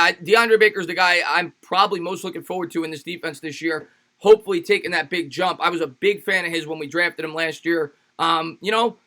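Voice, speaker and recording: Bright high-voiced raspy man streaming. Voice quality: slightly raspy. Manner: energetic, hypes up fans. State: tired. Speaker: sports YouTube host reading super chats. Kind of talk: casual livestream chat.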